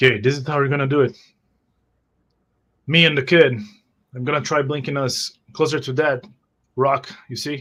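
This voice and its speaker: A man's raspy, put-on character voice, fairly high in pitch, with fairly even intonation, big swings in loudness, a moderate pace and long, frequent pauses. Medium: actual play. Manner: casual, wry, coaching.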